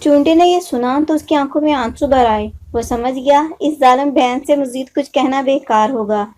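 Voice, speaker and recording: A woman's voice: high voice, moderate pace, mellow. A woman storyteller reading a scripted moral story for children.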